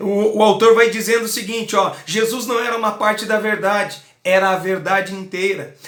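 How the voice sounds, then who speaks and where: Noticeable background noise comes with audible room echo. The delivery is monotone and flat in intonation. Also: man. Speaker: pastor. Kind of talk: bible study teaching. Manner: conversational, with filler words.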